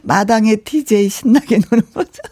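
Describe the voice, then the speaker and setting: A woman's voice: a little high, moderate pace, warm tone, slightly rough, no room sound, studio quality. A woman hosting a radio show, talking in a chatty, conversational way and reading out listener messages. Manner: chatty, conversational, often breaks into giggles. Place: radio studio. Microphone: close studio microphone.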